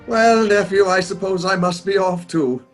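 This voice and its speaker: A man acts out an old miser turned generous uncle, with a fairly high voice for a man. He is exclamatory and theatrical, in radio-play style, over light music. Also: steady tone, moderate pace, close to an everyday voice. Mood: joyful, humble. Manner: exclamatory, chuckling, repeats himself for emphasis.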